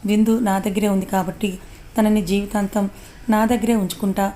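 A woman voicing a mysterious male kidnapper who taunts calmly on the phone. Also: mid-range voice, a little hiss or hum, close to an everyday voice. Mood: taunting. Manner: mocking, laughing, calm and quick.

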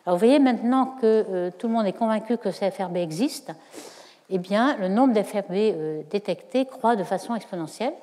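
A woman's voice: mid-range voice, fairly quick, mellow. A woman giving a university lecture, explaining step by step with frequent hesitations. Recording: lecture hall reverb.

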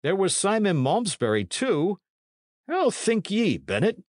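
Man acting as portly cleric, raised pitch, animated swoops, scholarly pomposity, exclamatory archaic phrasing, dry studio sound. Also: measured pace, dry recording, exaggerated voice. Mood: deliberating, pompous. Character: portly priest of near fifty, shaken, fretful, scholarly.

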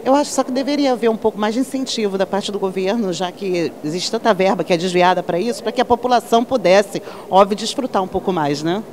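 Quick, opinionated woman on the street. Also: medium pitch, a little mellow, slight background noise. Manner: opinionated, fluent. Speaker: theatergoer. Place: city street at night.

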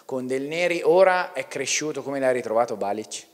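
A man in his thirties interviews a footballer with chatty, leading questions at a mid pitch. He holds a handheld mic in an indoor room. A long reverb trails after his voice. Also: lively intonation, moderate pace. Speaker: sports interviewer. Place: indoor club museum room.

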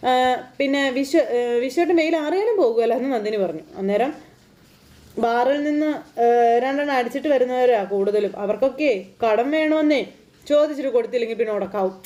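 A woman's voice: sits high, a little fast. A woman casually retelling a TV serial episode, acting out the characters' lines as she goes. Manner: lively, quotes the characters' dialogue as she goes. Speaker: narrator recapping a TV serial episode.

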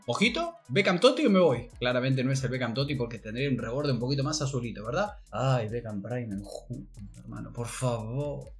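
A young man with an Argentine accent giving slangy, excitable commentary while opening packs in a game, swinging between mutters and shouts. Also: on the high side. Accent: Argentine Spanish. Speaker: gaming YouTuber.

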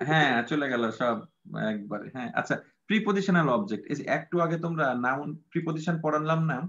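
Guy teaching grammar, patient, says hmm and ok a lot, kinda high voice, muffled lo-fi audio. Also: expressive, fast, fairly bright tone. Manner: patient, repeats points, many fillers. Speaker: English teacher. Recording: dull lo-fi sound.

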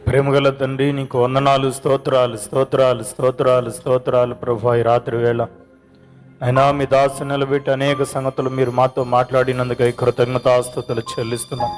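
A man leading a spoken prayer, steady and solemn. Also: medium pitch, brisk, soft background music.

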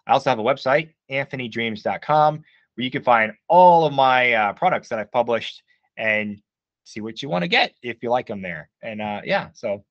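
A man's voice: medium pitch, expressive, moderate pace, fairly bright tone, dry recording. Emphatic man on dull stream audio. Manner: emphatic, advice-giving, uses "like" often. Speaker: guest, game writer. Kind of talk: casual live-stream chat.

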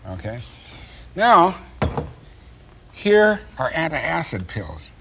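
An older man hosting a science show, patiently explaining an experiment step by step to a child with gentle teasing, recorded on a studio kitchen set. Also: a little high, very animated, extremely slow, background noise.

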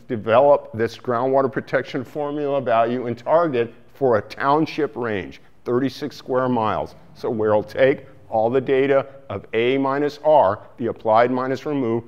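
Older man, clear voice, somewhat dull recording, steady explainer in a meeting hall. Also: mid-range voice. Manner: plain explaining, some restarts. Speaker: coalition speaker. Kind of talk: presentation to growers. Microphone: far camera, no mic seen.

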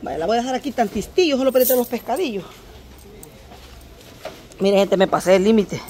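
Shopping at an outdoor market for a casual vlog, this middle-aged woman talks with vendors and straight to her audience. Her voice sits on the high side, a little mellow, with lively intonation and a slightly fast pace.

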